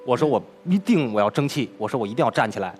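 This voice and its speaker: A man, a crosstalk performer telling a personal story as an interview guest, with an animated delivery that acts out the dialogue. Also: medium pitch, fast, soft background music. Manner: animated, retells dialogue with lively swings.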